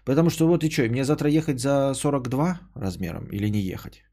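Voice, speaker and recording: Husky mellow-voiced man ranting profanely. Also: mid-range voice, fairly quick. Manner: rambling, profane, worked-up ranting. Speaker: podcast host talking to his chat. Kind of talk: casual livestream chat.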